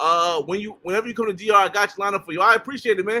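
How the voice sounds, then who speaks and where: A man speaks very fast in a raised, projected voice. His pitch is high and his tone bright and sharp. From US Northeast, New Jersey. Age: 30s. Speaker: travel vlogger. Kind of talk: live stream chat. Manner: casual slangy.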